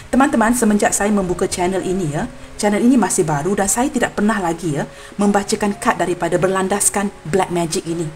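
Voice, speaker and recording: In a mid-range, brisk voice over slight background noise, a young Malaysian woman delivers a general tarot reading. Her Malaysian Malay accent is clear, and her earnest, apologetic tone treats viewers as warm friends.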